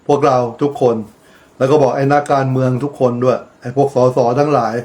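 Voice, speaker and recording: A man's voice: mid-range voice, level tone, brisk, darkish tone. A middle-aged man giving casual, profane political commentary on his own channel, blunt and lecturing. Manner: blunt, crude, swears freely; preachy, lecturing advice.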